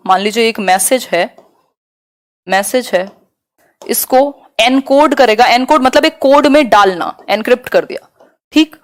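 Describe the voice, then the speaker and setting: Woman teaching an exam-prep lecture. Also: high-pitched. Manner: explanatory, checks in with listeners often; spells out and repeats key terms.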